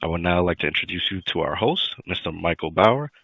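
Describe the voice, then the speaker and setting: Deep-voiced conference call operator. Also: male voice, expressive, fairly quick, husky, dry recording. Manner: polite, formal announcer delivery. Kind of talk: scripted call announcements. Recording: dry, muffled phone-call audio.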